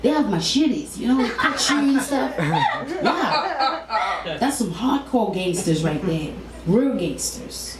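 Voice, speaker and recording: Animated woman doing stand-up. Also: a little high, takes it slowly, a loud crowd. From Cameroon. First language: French. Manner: chuckles through her talk, casual and profane. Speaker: stand-up comedian. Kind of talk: stand-up comedy to an audience. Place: live talk show stage. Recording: roomy, distant, noisy live venue.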